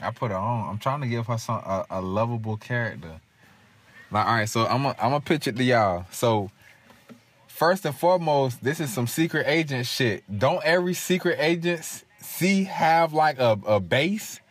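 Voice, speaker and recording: A man's voice: mid-range voice, animated, normal speed. Joking man with African American English. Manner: joking, storytelling, profane. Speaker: podcast guest. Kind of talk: casual chat.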